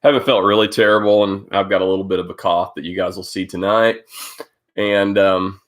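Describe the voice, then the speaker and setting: A deep-voiced man, congested from a cold, hosts a live cycling update stream in casual chat. He talks a little fast in a steady tone, rambling, greeting viewers by name and using many fillers.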